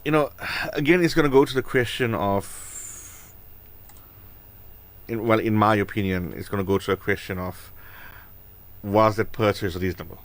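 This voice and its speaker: An attorney takes legal questions on a live radio show. His voice is very deep, and he answers in a calm, plainly spoken way. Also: normal speed, pauses often. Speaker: attorney, guest.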